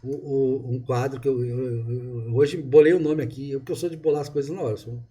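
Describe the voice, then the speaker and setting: A man's voice: medium pitch, fairly even intonation, fast, dark tone, slightly rough. A man from southern Brazil with a gaúcho accent, talking in a rambling, emphatic way full of restarts during a casual conversation. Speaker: author and interviewee.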